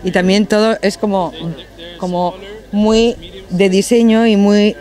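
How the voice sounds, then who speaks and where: A woman's voice: mid-range voice, fairly even intonation, measured pace, warm tone. A woman organizing an outdoor market, presenting stalls casually with eager praise and frequent hesitations. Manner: enthusiastic, hesitant fillers, repeats words. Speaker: market organizer guiding the tour.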